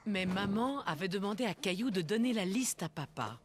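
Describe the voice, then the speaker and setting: A woman as the gentle storytelling narrator of a French-language children's cartoon, reading scripted narration. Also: medium pitch, lively intonation, moderate pace, lightly acted.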